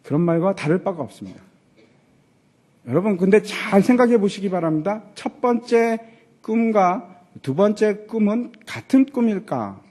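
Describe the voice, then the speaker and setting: A pastor preaches to his congregation in a church with lively energy. The man's voice sits high and swings widely in pitch. It has a slightly husky edge. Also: normal speed. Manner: animated preaching with rhetorical questions to the congregation; acts out quoted lines in character voices. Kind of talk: sermon. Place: church sanctuary.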